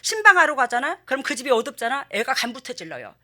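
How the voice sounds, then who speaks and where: An older woman pastor, preaching a sermon and telling stories with animated acted-out quotes. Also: sits high, fast talker. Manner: animated storytelling, acting out quotes.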